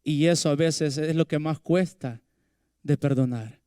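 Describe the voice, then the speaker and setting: A male pastor delivers a sermon in a fairly high, clear and resonant voice. He leans on rhetorical questions and repetition to drive his points home. The sound is dry and close, with no room echo. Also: unhurried, warm tone.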